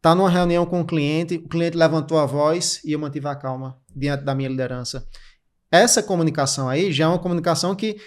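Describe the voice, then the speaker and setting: A Brazilian man in his thirties, a podcast guest, explaining career habits in quick, clipped lists with lots of energy. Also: a little high, steady tone. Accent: Brazilian Portuguese. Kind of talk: didactic interview talk.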